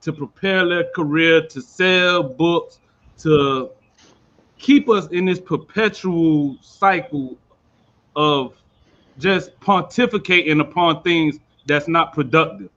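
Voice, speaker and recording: A man delivers casual, earnest closing remarks in a somewhat high voice. The sound comes through dull, lo-fi call audio. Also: slow, a bit bright. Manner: earnest, informal. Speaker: panel guest.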